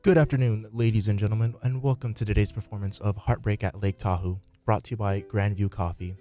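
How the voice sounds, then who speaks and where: A man's voice: lowish voice, fairly even intonation, brisk, mellow, faint music behind. A man narrating a live radio play from a script in a theatrical storytelling style. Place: radio studio, live performance.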